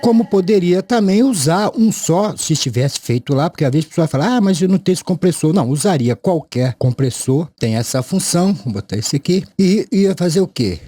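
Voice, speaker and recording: A Brazilian man teaches off the cuff, addressing viewers formally and politely. His voice is soft-edged and a little high, with a lisping, tongue-tied articulation, and there is faint music behind him. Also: expressive, normal speed, few pauses, slightly rough. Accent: Brazilian Portuguese. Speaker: audio mixing tutor. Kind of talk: unscripted software tutorial.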